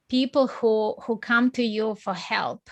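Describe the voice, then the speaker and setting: In a plain, everyday voice, a woman speaks at a fairly slow pace with a fairly high pitch, recorded with a dry, close sound with no echo and a quiet background. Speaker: podcast host. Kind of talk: podcast interview, casual conversation.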